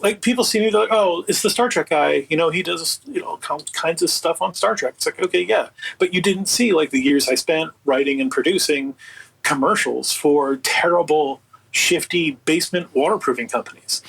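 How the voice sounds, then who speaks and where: A man with a slightly husky voice speaking as an interview guest in casual, emphatic, opinionated, rambling talk. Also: fairly high pitch, moderate pace, a bit bright, low-quality recording. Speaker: guest, audio producer and writer.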